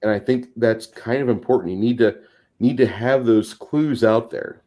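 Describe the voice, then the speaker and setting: A man's voice: mid-range voice, moderate pace, mellow. A man in a casual panel discussion, explaining at length in wordy, slightly formal phrasing. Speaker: tabletop gaming discussion panelist.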